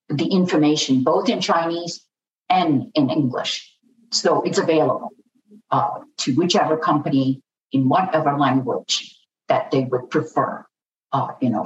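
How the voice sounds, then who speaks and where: A woman speaking as a guest in an interview, earnest and repeating herself with many fillers. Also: low-pitched. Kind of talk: conversational interview. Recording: distant, roomy, dull audio with faint noise.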